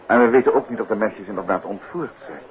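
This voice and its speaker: Guy playing polite calm detective husband, lightly teasing, old fifties radio drama, thin narrow sound. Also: fairly low pitch, fast talker, lightly acted. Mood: grave, composed. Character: calm, courteous male amateur detective, affable husband. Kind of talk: 1950s Dutch radio drama acting. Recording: old thin band-limited radio recording.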